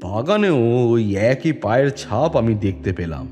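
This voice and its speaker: A man narrating a detective story in the first person and voicing the police inspector with a measured, authoritative manner. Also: medium pitch, very animated, darkish tone. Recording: long reverb with music bed.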